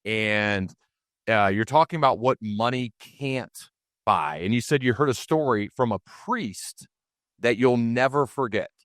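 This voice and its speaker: A man's voice: medium pitch, unhurried, a bit bright, dry recording, clean studio sound. A man, interviewing casually as a podcast host in an enthusiastic, emphatic way.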